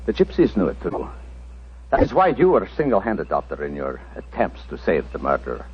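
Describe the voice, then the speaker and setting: Casting: proud older tribal leader, extremely low rough voice, declamatory; dull old radio sound. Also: male voice, huge pitch swings, brisk, full character voice. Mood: grim, defiant. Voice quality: very deep, husky, gravelly. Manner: formal, declamatory, weighty. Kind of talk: 1940s radio drama acting. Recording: muffled 1940s radio recording.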